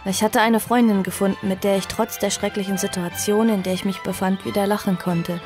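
An actress playing an earnest, cautious girl who recounts her story in a horror audio drama, measured and reflective. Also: mid-range voice, steady tone, lightly acted. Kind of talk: audio drama narration and dialogue. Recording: music behind the voice.

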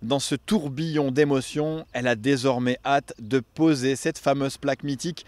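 A man presenting a radio feature on a restaurant, narrating in a lively way with playful turns of phrase and asking questions. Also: medium pitch, moderate pace, no echo. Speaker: radio reporter.

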